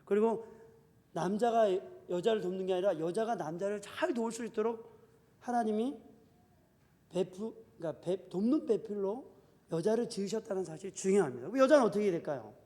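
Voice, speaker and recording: A male pastor preaching an animated sermon in a church, acting out quoted husbands and wives as he goes. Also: sits high, a little fast. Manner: animated preaching, acts out spouses' quarrels in quoted voices. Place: church sanctuary. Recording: reverberant church hall.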